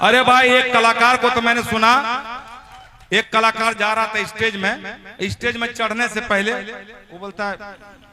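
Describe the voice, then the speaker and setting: A man's raised, projected voice, high-pitched and animated, over noticeable background noise. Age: 60s. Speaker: folk singer. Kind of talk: casual interview talk.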